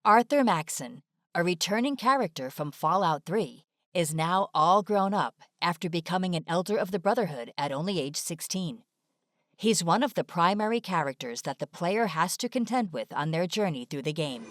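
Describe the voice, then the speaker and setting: A woman's voice: fairly low pitch, lively intonation, normal speed, a bit bright, no echo, clean studio sound. A woman delivering scripted video essay narration in a polished, presentational manner.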